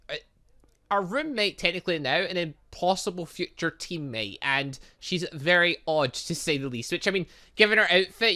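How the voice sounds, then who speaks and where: A young man with a slightly high, sharp-toned voice rambles through casual let's play commentary, swearing mildly. He hosts a gaming channel and stumbles over the game text as he reads it out loud.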